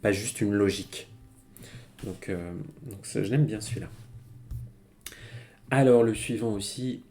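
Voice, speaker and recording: A man's voice: fairly low pitch, measured pace, pauses often, warm tone. A man giving a casual, chatty live-streamed language lesson, with many fillers and frequent laughs as he explains. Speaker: Japanese teacher. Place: home streaming setup.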